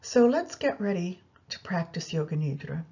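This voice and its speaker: Woman, meditation guide, lower-pitched, soft dark tone, unhurried instruction, dull lo-fi audio. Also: big pitch swings, gravelly, husky. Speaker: yoga nidra meditation guide. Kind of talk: guided meditation instruction, spoken gently to listeners.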